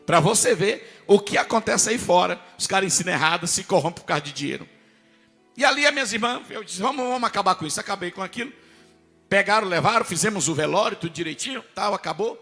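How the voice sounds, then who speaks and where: A man's voice: sits high, expressive, quick pace, pushed and bright, in a large hall, faint music behind. A man preaching a testimony, telling his story emphatically and acting out the other people's voices. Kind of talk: testimony sermon.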